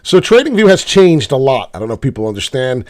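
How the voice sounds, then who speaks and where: A man hosting a live crypto trading show, a little hoarse from being sick, rambling through charts with lots of filler words. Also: medium pitch, sing-song, quick pace, darkish tone. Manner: rambling, many "uh" fillers, pleads for likes and subscribes. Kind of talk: casual live market commentary.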